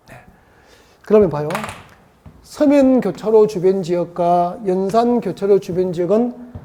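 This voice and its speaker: A woman's voice: medium pitch, warm tone. A woman from Seoul giving an exam-prep lecture, firing rhetorical questions and drilling mnemonics by repetition. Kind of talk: classroom lecture.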